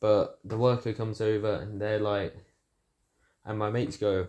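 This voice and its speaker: Against a quiet background, a speaker with a British accent keeps a fairly even intonation. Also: man. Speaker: YouTuber. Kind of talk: casual storytime vlog. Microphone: cheap headset mic.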